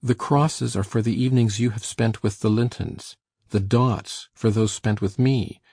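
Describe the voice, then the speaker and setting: Woman putting on a sullen teenage farm lad, very deep gruff voice, husky, dark tone, dry sound. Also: steady tone, measured pace, no echo, heavily acted. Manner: low, gruff and resentful.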